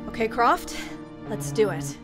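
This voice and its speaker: A woman's voice: on the high side, big pitch swings, measured pace, music in the background. A woman acting a serious, cautious naval starship skipper in a sci-fi audio drama, formal and commanding in manner. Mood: focused command.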